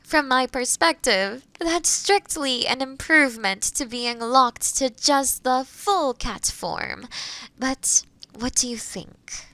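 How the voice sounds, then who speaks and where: A woman playing a kind forest witch in a roleplay audio drama, explaining things gently and thoughtfully to the listener. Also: high-pitched, takes it slowly, no room sound, full character voice. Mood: patient, amused.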